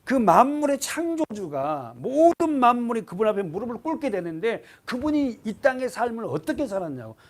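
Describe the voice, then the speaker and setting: A man's voice: very high-pitched, very animated, moderate pace, hardly any pauses. A man pastor preaching a sermon in a church, emphatic and full of rhetorical questions to the congregation. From South Korea. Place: church sanctuary.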